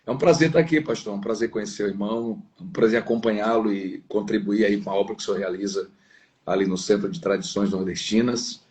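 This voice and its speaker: A male pastor from northeastern Brazil speaks as a guest in a casual interview. His voice sits fairly low. He talks conversationally from his home over an internet call. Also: fast talker, a little mellow. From Sergipe, northeastern Brazil.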